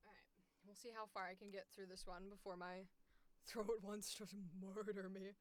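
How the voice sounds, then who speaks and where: A woman's voice: medium pitch, flat delivery, moderate pace. A woman hosting a casual livestream as a voice actor, chatting in an effusive, exclamatory way.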